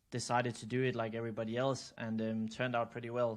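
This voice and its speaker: A man with a Danish accent speaks in a monotone with flat intonation. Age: 20s. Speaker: marketing agency owner. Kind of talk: interview.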